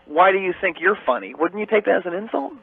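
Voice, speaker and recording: A man's voice: high voice, animated, quick pace, creaky, husky, no echo. A man calling in to a radio show and teasing the host in a needling, mock-bossy way, his voice coming over a thin phone line. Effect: voice heard over a phone line on a radio broadcast. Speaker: caller. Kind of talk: call-in radio banter.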